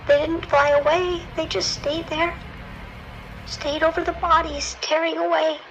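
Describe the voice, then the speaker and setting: A shaken dispatcher, very high, creaky. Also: female voice, a bit bright, dull audio, slight background noise, heavily acted. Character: shaken female ranger dispatcher, haunted and grimly warning. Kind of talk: horror radio drama acting.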